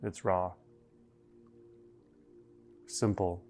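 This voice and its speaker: A man with a low voice leads a guided meditation over faint music. His delivery is very even, with little melodic movement. He speaks in short, deliberate phrases, leaving long pauses between them.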